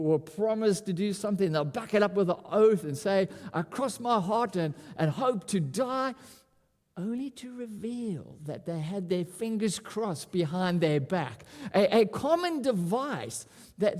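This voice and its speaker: A man preaching a sermon at a pulpit microphone, animated and often repeating words as he restarts. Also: high-pitched, long reverb tail. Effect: speaking at a pulpit microphone. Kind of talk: expository sermon.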